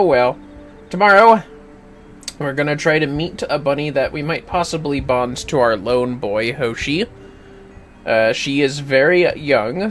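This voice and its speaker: Music plays clearly behind this man as he chats informally to viewers of his gaming livestream. His voice is medium-pitched with a fairly bright tone. He rambles, swears and talks to himself along the way.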